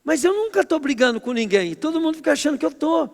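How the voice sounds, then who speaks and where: A middle-aged man from Brazil preaching a sermon as pastor, with an emphatic, forceful way of speaking. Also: extremely high pitch, big pitch swings, fast, gravelly. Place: church hall. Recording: long hall reverb.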